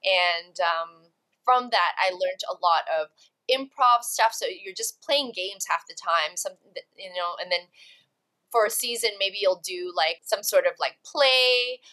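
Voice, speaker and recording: A woman's voice: medium pitch, a little slow, bright, forceful tone. A woman guest on a podcast interview, chatting about her career with frequent laughs and fillers. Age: adult, career of over two decades. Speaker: podcast guest, actress and TV host. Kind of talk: casual interview chat.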